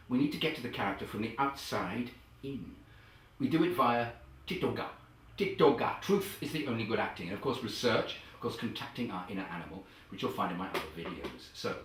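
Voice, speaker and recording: Man as a grandiose acting coach, bright theatrical delivery, distant echoey sound. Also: medium pitch, a little hiss or hum. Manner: theatrical, grandly enunciated, sudden loud outbursts. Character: pompous, self-important male acting coach. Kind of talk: comedy character sketch. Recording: very echoey, far from the mic.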